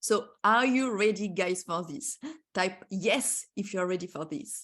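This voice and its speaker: Against a quiet background, a woman speaks with a strong French accent and ordinary pitch variation. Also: medium pitch for a woman, fairly slow pace. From France. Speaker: author and keynote speaker. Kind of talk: interactive keynote talk. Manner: animated.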